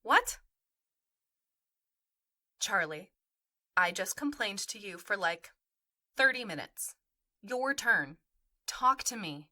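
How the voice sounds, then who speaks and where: A woman's voice: medium pitch, expressive, slow, pauses often, pushed and bright, full character voice. An actress playing a supportive, frank young woman in naturalistic audio drama dialogue. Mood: encouraging.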